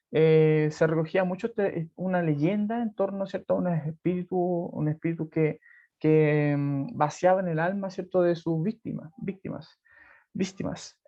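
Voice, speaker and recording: A man's voice: fairly high pitch, vocal fry. A Chilean man teaching a literature class over a video call, rambling with many fillers and checks for agreement. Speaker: high school literature teacher. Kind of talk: online class lecture. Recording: muffled lo-fi video call audio.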